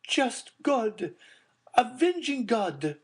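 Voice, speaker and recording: A man voicing a frantic, anguished aristocratic mother in an audiobook, in a shrill, pleading tone. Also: big pitch swings, drawn-out words, slightly rough, exaggerated voice. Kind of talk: audiobook character voice.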